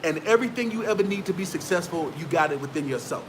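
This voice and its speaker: A man's voice: a little high, animated, fast, noisy background. A man, giving motivational business advice straight to his viewers in a preachy, repetitive way. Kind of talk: motivational talk to camera.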